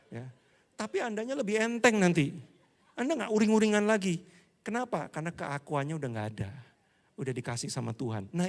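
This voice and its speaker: A man preaching a casual, humorous sermon, acting out church members and swinging between loud and hushed delivery. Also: fairly high pitch. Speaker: pastor.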